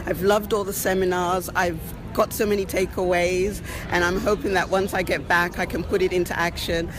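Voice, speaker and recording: A woman from Maryland, a first-time convention attendee talking excitedly with small restarts. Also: lowish voice, moderate pace, crowd noise.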